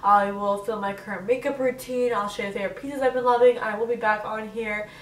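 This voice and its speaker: A woman's voice: mid-range voice, fairly even intonation, a little fast, reverberant, far from the mic. A young woman in her twenties with a stuffy, congested nose, chatting casually to camera in a Q&A vlog and filling her talk with "like". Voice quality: nasal. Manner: chatty, full of "like" fillers. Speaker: vlogger. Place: bedroom, on her bed.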